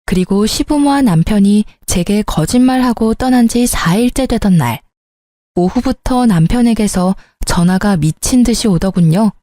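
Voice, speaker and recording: A woman narrates a first-person story in a calm, steady voice with a mellow, dark tone. She is recorded dry and close on a studio mic. Her reading is even and controlled, like scripted radio narration. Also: medium pitch, moderate pace, no echo.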